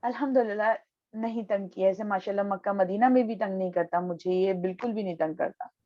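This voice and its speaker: A mother of an autistic child talking in an animated way about her son's crying and what she tries. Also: medium pitch, muffled recording. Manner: animated, storytelling, worried. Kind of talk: casual conversation, describing her experience.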